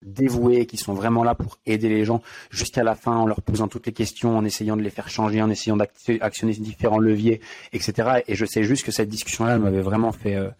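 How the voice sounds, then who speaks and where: A low-voiced man from France hosts an interview podcast. He tells a personal story slowly and reflectively, pausing often with fillers as he searches for his words. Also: little pitch movement, a little mellow. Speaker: podcast host. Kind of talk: conversational interview talk.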